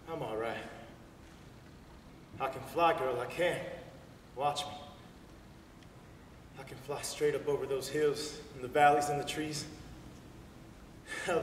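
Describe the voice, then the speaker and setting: An actor playing a young man drifting in a soft, soothing reverie. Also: medium pitch, takes it slowly, long pauses. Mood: dreamy. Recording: roomy hall, far mic, audible noise.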